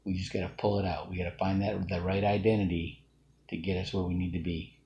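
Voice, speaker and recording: A man's voice: deep voice, flat delivery, fast, warm tone, muffled recording. A middle-aged man from Alabama, talking through a casual, rambling self-reflective monologue full of fillers and restarts. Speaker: vlogger.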